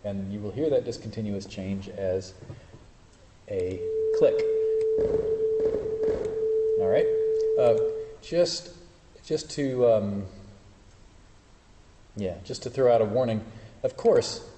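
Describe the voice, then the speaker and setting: Speaking slowly and pausing often, a man with a mellow voice on the low side leads an informal university class with live demos. He corrects himself mid-stream and slips in dry humor. Expect lecture-hall echo and a faint hiss on the recording.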